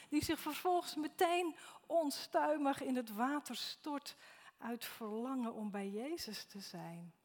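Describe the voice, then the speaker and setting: Slow reflective woman preaching in a church. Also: sits high. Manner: slow, reflective, drops to whispers. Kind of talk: sermon with bible reading. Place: church hall. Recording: echoey church hall.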